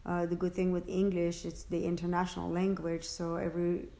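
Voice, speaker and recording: A woman answering interview questions about her work as an interpreter, halting and searching for words, often restarting. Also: on the low side, completely flat delivery, gravelly, warm tone. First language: French. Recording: echoey room.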